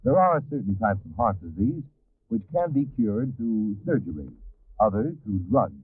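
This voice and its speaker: Animated, husky old-time radio announcer, a man. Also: on the low side, moderate pace, dry recording. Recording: dry, tinny old radio recording.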